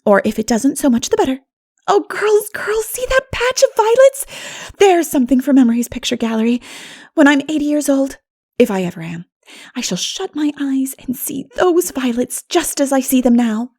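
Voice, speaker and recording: A woman's voice: high-pitched, lively intonation, moderate pace, darkish tone, pitched above the performer's own voice. A woman reading an audiobook as an exuberant, dreamy young woman who talks in an earnest, gushing, flowery way. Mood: blissful, gushing. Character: Anne, exuberant, dreamy, poetical schoolgirl-spirited young woman. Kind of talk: audiobook character voice.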